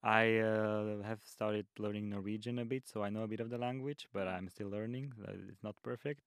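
A man's voice: fairly low pitch, fairly even intonation, moderate pace, smooth, no room sound, studio quality. A nineteen-year-old man from Slovakia, a student guest on a podcast, talking earnestly with hesitant fillers. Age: teens. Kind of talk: casual podcast interview.

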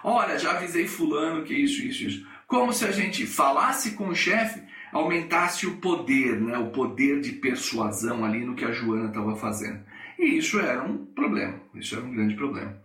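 A man's voice: medium pitch, moderate pace, roomy sound, recorded from a distance. A middle-aged Brazilian man hosting a coaching podcast, telling a workplace story and acting out the people in it. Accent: Brazilian Portuguese. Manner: animated, acts out the people in his stories. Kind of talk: storytelling monologue.

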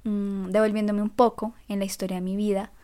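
A young woman from Colombia, a Catholic content creator, telling her own story in a lively, self-mocking way. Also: medium pitch, fairly quick. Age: young adult. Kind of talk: personal storytelling vlog.

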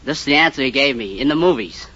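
A man competing on a radio quiz show, telling a joke in a deadpan, halting way. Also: mid-range voice. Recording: dull old radio broadcast, heavy hiss, roaring audience.

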